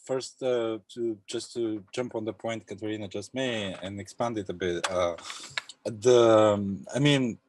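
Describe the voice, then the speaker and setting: A young man from Bulgaria speaking thoughtfully in an academic round-table discussion on a video call, pausing often with fillers. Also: lowish voice. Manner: thoughtful, hesitant with many fillers. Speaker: panel speaker.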